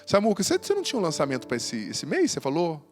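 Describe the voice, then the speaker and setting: A priest hosting a TV show, chatting casually while hoarse from a cold. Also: male voice, on the high side, huge pitch swings, rapid-fire, darkish tone, soft background music. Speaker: priest and TV host. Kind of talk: casual studio chat.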